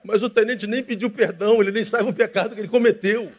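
A man's voice: sits high, steady tone, fast talker. A man preaching a sermon, telling an anecdote and acting out both sides of the dialogue in his own voice. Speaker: pastor.

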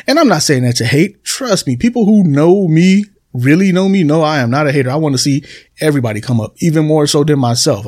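A man's voice: a little high, darkish tone. A man hosting a solo podcast, talking casually to his listeners and repeating phrases for emphasis. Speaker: podcast host. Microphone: computer desk recording.

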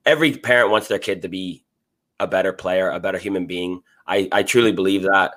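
A man's voice: low voice, brisk, a bit bright. A man hosting a podcast, asking thoughtful questions in a casual interview with hesitant fillers. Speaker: podcast host. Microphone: podcast microphone.

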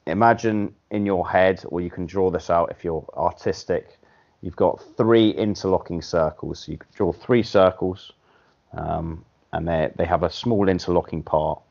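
A man hosting a podcast in casual chat, blunt and animated, swearing casually as he makes his points. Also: deep voice, normal speed, creaky. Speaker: podcast host. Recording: dull lo-fi podcast audio.

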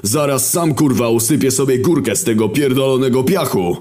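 A man voicing War, a crude, hot-tempered male horseman who swears and shouts. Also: medium pitch, normal speed, faint music behind, voice pushed up, close to an everyday voice. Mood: excited.

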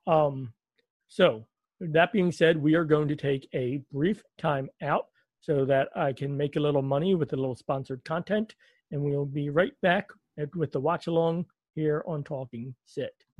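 Man, podcast host, fairly high voice, dry close mic, faint music behind, joking, rambling. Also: measured pace, a little mellow, no room sound. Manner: joking, rambling, sarcastic asides. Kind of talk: casual podcast chat.

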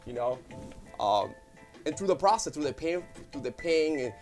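A Puerto Rican business owner in his thirties, a native Spanish speaker, talks as a guest in a casual studio interview, rambling heartfeltly with many fillers and restarts. His voice is on the high side, animated, a little mellow, and at normal speed, with faint music behind him.

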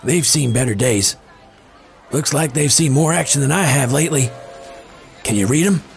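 A man's voice: medium pitch, expressive, moderate pace, creaky, faint music behind. An actor playing a world-weary man with dry, sardonic humour, patient with a childlike companion. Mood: wry.

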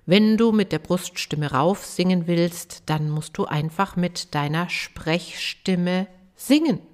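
A woman's voice: on the low side, takes it slowly. A woman voice coach hosting a podcast lesson, chatty and emphatic, checking in with the listener as she explains. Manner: chatty, addresses listener with tag questions; emphatic, lively. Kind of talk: casual spoken podcast lesson.

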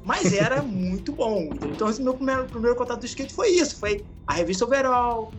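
A man in his late forties with a Rio de Janeiro Brazilian accent, telling his story as a podcast guest in a relaxed way, full of slang and laughter. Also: very high-pitched, quick pace, over music. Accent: Rio de Janeiro Brazilian Portuguese. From Araruama, Rio de Janeiro state, Brazil. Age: 40s. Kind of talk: casual storytelling interview.

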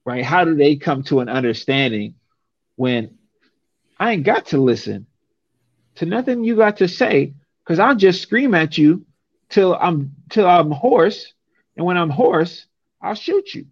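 A man's voice: fairly high pitch, animated, measured pace, no room sound, dull audio. A young man from San Francisco, talking casually and emphatically, often ending points with a rhetorical "right?". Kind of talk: casual conversation.

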